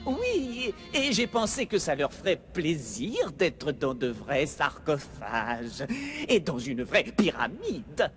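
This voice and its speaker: An actor voicing an excitable, chatty cartoon animal with a hesitant, chuckling delivery. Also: medium pitch, takes it slowly. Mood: pleased, eager. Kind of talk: cartoon voice acting. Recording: cartoon soundtrack with music behind.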